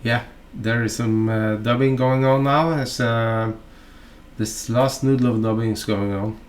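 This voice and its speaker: A man from Norway with a Norwegian accent, narrating a fly-tying tutorial in a halting, chatty way full of fillers and asides. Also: medium pitch, fairly even intonation.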